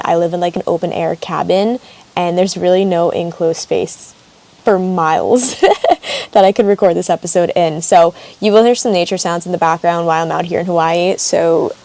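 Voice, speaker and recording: A woman's voice: lowish voice, a little mellow. A young woman hosting a casual solo podcast from an open air cabin, chatty and rambling with lots of "like" fillers. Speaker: podcast host and yoga teacher. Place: open air cabin outdoors, wind in background.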